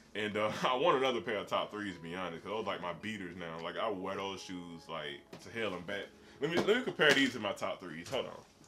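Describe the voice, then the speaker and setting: Over music in the background, a man with a fairly low pitch talks at a very fast pace in an animated tone with lively intonation. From US South. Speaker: sneaker YouTuber. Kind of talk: casual chat. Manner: casual, animated.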